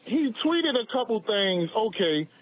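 A man's voice: high-pitched, sing-song, unhurried, husky. A forty-year-old man calling in to a sports show, blunt and casual, saying bro a lot. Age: 40s. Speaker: caller. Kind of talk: phone-in opinion. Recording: dull phone-line audio.

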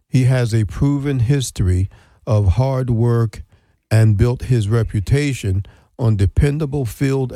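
A male talk show host reads announcements and a guest bio in a steady, scripted way. His voice is mellow and dark, recorded close with no room sound. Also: mid-range voice, no room sound.

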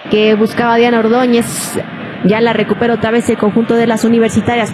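A woman's voice: on the high side, background noise. A woman doing live soccer commentary mixed with casual chat. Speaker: sports play-by-play commentator.

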